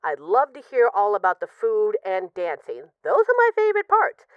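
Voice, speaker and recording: A woman's voice: medium pitch, wildly swooping pitch, clear, resonant tone, no echo, dull audio. A woman playing a possessive, lovesick mafia boss in an intimate, conversational audio roleplay of voicemails. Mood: affectionate, breezy. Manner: conversational, teasing, halting when emotional.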